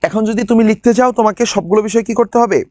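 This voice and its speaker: A young man from Bangladesh teaching a live online grammar class, repeating each question and answer and drawing out example words slowly, calling on students by name. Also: sits high, darkish tone, no room sound. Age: young adult.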